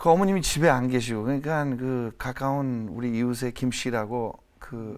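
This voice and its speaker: Moderate pace from a man over a quiet background. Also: ordinary pitch variation. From Jeolla, Korea. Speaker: surgeon, professor. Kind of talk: interview answer. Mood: somber, recounting father's accident. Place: studio. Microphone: lapel.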